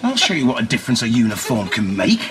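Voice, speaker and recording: An actor playing a rude, bickering pirate captain in a sitcom, on a noisy recording. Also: male voice, medium pitch, huge pitch swings, quick pace. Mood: bossy. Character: brash scheming male pirate captain. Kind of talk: sitcom acting.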